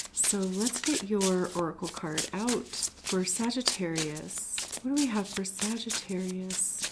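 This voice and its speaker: There is noticeable background noise. A woman speaks at a fairly slow pace and medium pitch with ordinary pitch variation. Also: hardly any pauses. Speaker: tarot reader. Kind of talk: casual chat; tarot reading. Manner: halting, many fillers.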